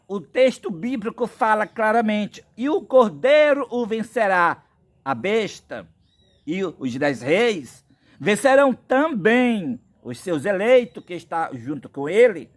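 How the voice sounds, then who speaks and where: A man from Brazil delivers a prophetic sermon in a high voice. He speaks slowly and insistently, stacking up biblical references. His preaching is earnest and drawn out.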